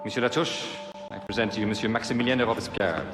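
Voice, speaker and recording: A man's voice: on the low side, quick pace, natural voice. An actor playing a commanding male grandmaster of a secret order in a video game, formal and authoritative. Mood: measured, commanding. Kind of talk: game dialogue acting. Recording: echoey hall, loud music behind.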